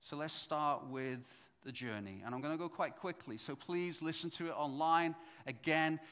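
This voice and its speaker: A middle-aged man preaching a sermon as pastor, swinging from loud emphatic points to low asides. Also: normal speed, clean tone. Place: church hall. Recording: echoey church hall.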